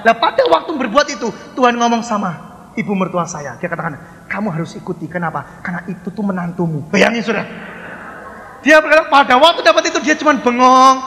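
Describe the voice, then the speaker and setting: High bright-voiced preacher in a hall. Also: male voice. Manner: animated, acts out dialogue, addresses listeners as Saudara. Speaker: pastor. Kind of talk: sermon storytelling. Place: large worship hall. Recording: hall reverb.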